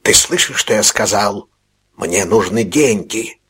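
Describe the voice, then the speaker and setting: A man voicing a brutal, desperate male robber with a slow, threatening delivery. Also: fairly low pitch, expressive, fairly bright tone, husky, full character voice. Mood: menacing.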